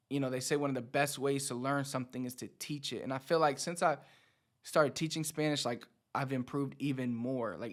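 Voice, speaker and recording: A man in his thirties talking casually and motivationally to his audience as a teacher, conversational, repeating words for emphasis. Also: medium pitch. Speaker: Spanish teacher and channel host. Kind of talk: casual motivational talk to camera.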